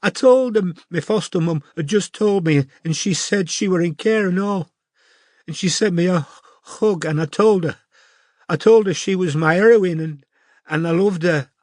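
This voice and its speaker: A man voicing a troubled teenage girl with a northern English accent, talking in a halting, confessional way. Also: medium pitch, dry recording, clean studio sound, pitched above the performer's own voice, close to an everyday voice. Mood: sobbing. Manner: tearful, halting confessional talk.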